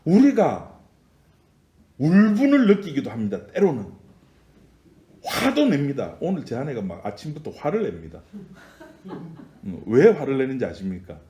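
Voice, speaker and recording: A man's voice: mid-range voice, huge pitch swings, moderate pace, long pauses, dark tone, reverberant. A man preaching a sermon in a conversational style, often asking the congregation questions. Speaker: pastor.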